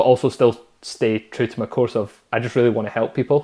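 At a moderate pace, a man with a Scottish accent speaks at medium pitch with fairly even intonation. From Scotland. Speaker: podcast co-host. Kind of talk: casual chat.

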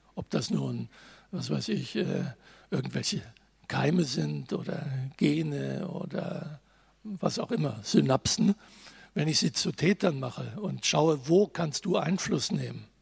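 This man talks at a very slow pace, leaving long pauses again and again. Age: old. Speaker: psychiatrist and systemic therapist giving a conference talk. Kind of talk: lecture. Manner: hesitant with fillers.

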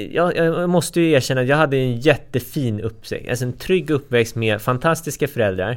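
This is a normal speaking voice at a moderate pace, with ordinary pitch variation and hardly any pauses. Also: man, medium pitch for a man. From Stockholm suburbs, Sweden. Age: 20s. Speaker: entrepreneur and investor. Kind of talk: interview.

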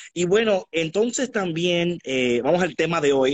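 Lively intonation colors this man's fairly high-pitched voice. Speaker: podcast host. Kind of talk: casual chat. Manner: energetic.

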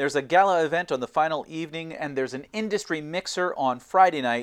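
A man's very fast speech with ordinary pitch variation, against a quiet background. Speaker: podcast host and acting coach. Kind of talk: casual interview chat. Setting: theater studio recording.

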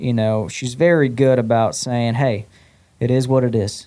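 A man speaks in a normal speaking voice. His pitch is medium and his pace is moderate. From US Midwest (Omaha, Nebraska). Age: 20s. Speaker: singer-songwriter. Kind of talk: casual chat. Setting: front porch, outdoors.

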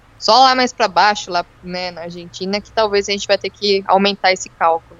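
The woman speaks at a very fast pace. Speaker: cycle traveller. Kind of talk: casual interview chat.

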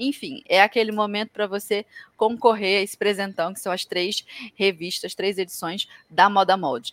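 A woman speaks in an upbeat tone at a medium pitch and a moderate pace. Her pitch variation is ordinary, and the sound is dry and close with no echo. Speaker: podcast host and youtuber. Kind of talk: podcast interview.

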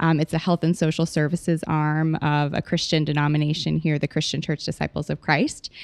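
Fairly quick and with hardly any pauses, a woman with an American accent speaks in a very deep, low pitch. Her intonation is monotone and flat, her loudness very even, and the sound dry and close with no echo. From Oklahoma, small town. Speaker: nonprofit marketing director. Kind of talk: interview. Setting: studio.

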